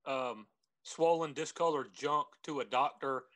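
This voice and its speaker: A man's voice: mid-range voice, measured pace, fairly bright tone. A man with a Southern American drawl chatting casually and jokingly as a podcast co-host.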